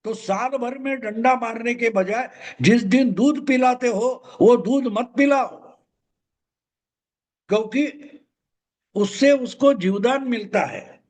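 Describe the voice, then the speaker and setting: An older man with a mother tongue talks alone on camera in a very high voice. He drives home each point emphatically and says it again for weight. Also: slow pace, darkish tone. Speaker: political commentator. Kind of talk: solo political commentary.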